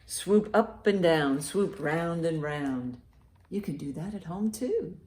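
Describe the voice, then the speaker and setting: A woman hosting a children's storytime in an animated, encouraging, sing-song way, with rhymes and picture-book reading. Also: fairly low pitch, slow, a little hiss or hum. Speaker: library storytime host. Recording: roomy, echoey indoor sound.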